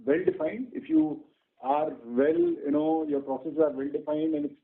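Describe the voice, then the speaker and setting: An Indian man answering questions on an earnings call as a bank executive, speaking in a halting, repetitive way over a conference line. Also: a little high, very animated, gravelly. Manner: halting, repetitive, says "you know" often. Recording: muffled band-limited conference phone line.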